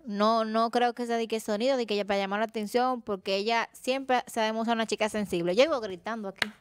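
Woman co-host, calm and empathetic, smooth voice, dry close sound. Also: on the high side, quick pace, no echo. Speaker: co-host of a talk show. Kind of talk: studio debate.

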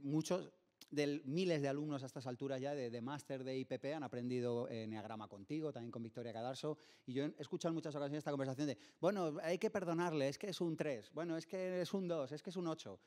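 A man's voice: a little high, fast talker, warm tone. A middle-aged man with a Spanish accent from Spain hosts the interview, asking questions and steering with short prompts. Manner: conversational, leads with short prompts. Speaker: host. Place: event stage. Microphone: studio mic on stand.

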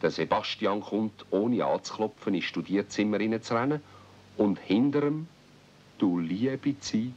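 A man's voice: a little slow, darkish tone. A man with a Swiss German accent narrating a children's radio play as a storyteller. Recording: dull 1970s recording with rumble.

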